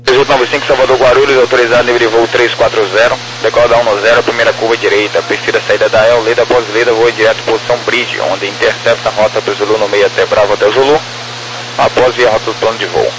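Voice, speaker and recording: A man speaks very quickly over noisy, crackly aviation radio. He is an air traffic controller delivering clearances in a clipped, procedural way, with a medium-pitched voice. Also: level tone. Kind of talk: rapid radio clearance readouts in aviation phraseology.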